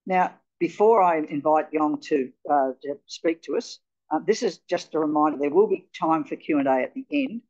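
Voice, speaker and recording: A man with a slightly raised pitch hosts an event and interviews a guest, friendly but full of fillers. The sound is dull and lo-fi. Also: moderate pace, darkish tone. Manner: friendly, hesitant with many fillers. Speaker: host. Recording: dull lo-fi recording.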